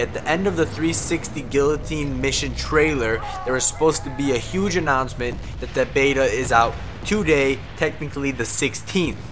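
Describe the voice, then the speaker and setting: A young man talking over gameplay footage as a game commentator, casual and frank, swearing when he gets frustrated. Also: mid-range voice. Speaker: gaming commentator.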